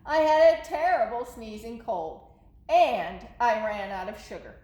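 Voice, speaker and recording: A woman's voice: a little high, animated, a little slow, darkish tone, roomy sound. A woman voicing a storybook wolf who chattily protests his innocence as he tells his side. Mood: aggrieved, confiding. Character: self-justifying folksy wolf telling his side.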